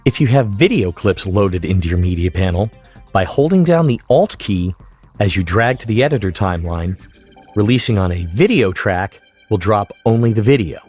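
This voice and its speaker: A middle-aged man giving scripted tutorial narration in a deliberate, emphatic way. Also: on the low side, expressive, darkish tone, husky, faint music behind. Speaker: software tutorial instructor.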